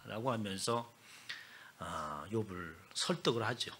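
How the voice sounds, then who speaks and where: A man preaching a sermon as pastor, retelling scripture dramatically and swinging between loud exclamations and hushed asides. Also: on the low side, animated, unhurried, a little hiss or hum.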